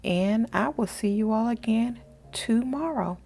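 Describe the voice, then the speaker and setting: A woman hosting a faith vlog and reading aloud in a measured, deliberate way. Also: on the high side, creaky, warm tone. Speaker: faith journaling channel host. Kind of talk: vlog narration and scripture read-aloud.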